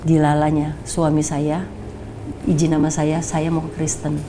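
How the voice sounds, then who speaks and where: A woman telling a personal testimony in a casual interview, animated, acting out what people said. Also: unhurried, noisy background. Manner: animated storytelling, acting out quotes in a high voice. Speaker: guest giving a testimony.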